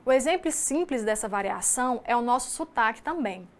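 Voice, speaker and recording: A woman with a Mineiro Brazilian accent, a teacher giving a recorded distance-learning lecture in a measured, explanatory way, reading lists item by item. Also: on the high side, animated. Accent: Mineiro Brazilian Portuguese. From Minas Gerais, Brazil.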